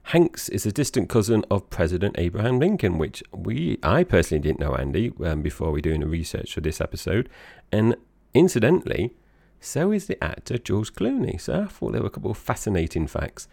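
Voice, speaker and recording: A man with an Essex accent and a very low, creaky voice. He co-hosts a podcast in relaxed conversation, often pausing to rephrase, and is recorded close and dry. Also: dry recording. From Essex, England. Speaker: podcast co-host. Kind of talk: casual conversational podcast chat.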